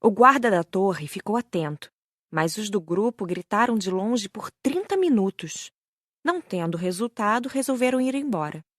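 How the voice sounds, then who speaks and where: A woman's voice: mid-range voice, animated, normal speed, a bit bright, dry recording, studio quality. A woman with a Brazilian accent reading a first-person book as an audiobook narrator.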